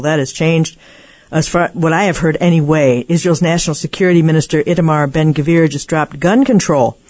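A woman's voice: low-pitched, darkish tone, no echo. Curious lady hosting a radio talk show, dead dry mic. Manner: inquisitive, reads news items. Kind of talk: radio interview.

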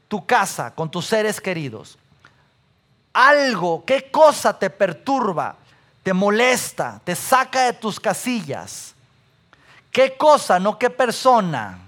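Brief: pastor, high, bright voice, lively preaching that fires questions at the congregation. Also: male voice. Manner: animated, asks the audience questions, repeats lists. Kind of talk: sermon.

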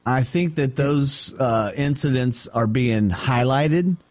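A man's voice: mid-range voice, slow, darkish tone, dry recording. Man, talk radio co-host, blunt, opinionated, dry mic. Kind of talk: casual talk radio chat.

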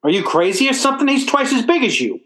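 A man's voice: very high-pitched, sing-song, quick pace, a bit bright, echoey room, heavily acted. An actor playing a blustering, self-pitying working-class father in old-time radio comedy style, with stammering, folksy, ungrammatical speech. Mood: alarmed.

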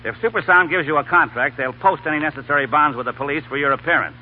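A man's voice: a little high, quick pace, phone-quality sound, lightly acted. An actor playing a brash, bossy, wisecracking film publicity man in a 1930s radio comedy, cutting in and ordering people around. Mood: bossy, impatient. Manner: domineering, wisecracking, cuts others off. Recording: crackly, thin 1930s radio broadcast.

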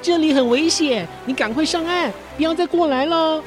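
A woman's voice: on the high side, takes it slowly, music in the background. A woman voicing a curious, brave and easily riled young boy in a children's story. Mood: confused, warning.

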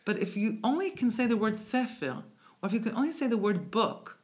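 A woman's voice: fairly high pitch, sing-song, brisk, darkish tone. A woman guest from the United States, a native speaker of English and Hebrew, talking reflectively in a conversational interview. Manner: reflective, searching, with restarts.

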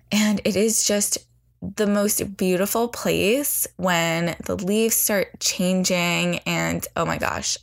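A woman's voice: on the low side, vocal fry. A young woman hosting her podcast in a chatty, upbeat way, sounding groggy with her morning voice as she records from bed on a studio mic. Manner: chatty, upbeat, rambling updates. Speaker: podcast host. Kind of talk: casual solo podcast chat. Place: in bed, indoors. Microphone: new heavy studio microphone.

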